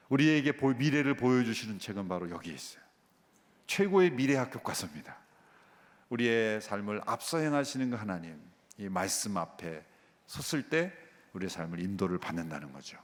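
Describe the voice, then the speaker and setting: A male pastor preaching in a church hall, his voice rising and falling over a wide range. He puts rhetorical questions to the congregation and acts out the voices in his stories, and a long hall reverb trails after his words. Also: mid-range voice. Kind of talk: sermon.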